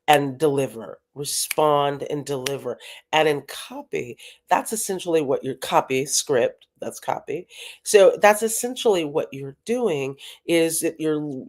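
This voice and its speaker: A talent manager, a woman, explaining things in a live video-call interview, animated and repeating phrases for emphasis. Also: deep voice.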